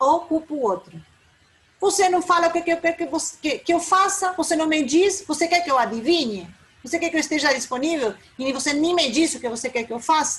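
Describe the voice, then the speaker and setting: A woman's extremely high pitch and lively intonation at a fairly quick pace. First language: not Portuguese (speaking Portuguese). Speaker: psychologist speaker. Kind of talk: lecture.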